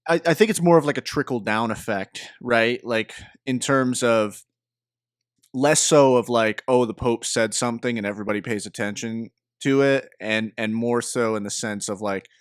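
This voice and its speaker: A man's voice: medium pitch, moderate pace, clear, resonant tone, no echo, clean studio sound. A young man co-hosting a casual podcast chat over a remote call, thinking aloud in a loose, tentative way. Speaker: podcast co-host.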